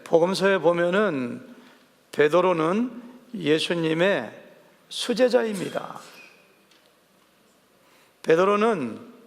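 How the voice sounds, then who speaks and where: A senior pastor with a high, gravelly voice preaches a sermon conversationally, asking the congregation questions and drawing answers from them. He acts out quoted dialogue vividly. The long reverb of the church sanctuary carries through the recording.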